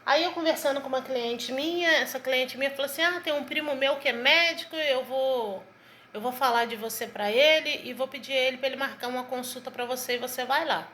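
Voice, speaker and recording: A middle-aged woman giving a personal testimony to a church congregation, telling her story with animated storytelling and acting out the dialogue. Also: high-pitched, fairly quick, slight background noise.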